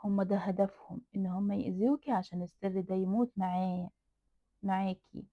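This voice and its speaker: A woman's voice: mid-range voice, little pitch movement, a little fast, no room sound, close to an everyday voice. A woman with an Egyptian accent voicing a mysterious stranger who warns earnestly. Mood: warning. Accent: Egyptian Arabic. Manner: earnest, warning. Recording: dry tinny phone-like sound.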